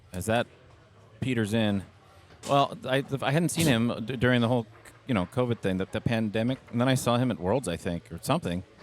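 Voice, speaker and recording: A man at a fairly quick pace, medium in pitch. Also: ordinary pitch variation. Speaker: foosball commentator. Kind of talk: live commentary. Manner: loud.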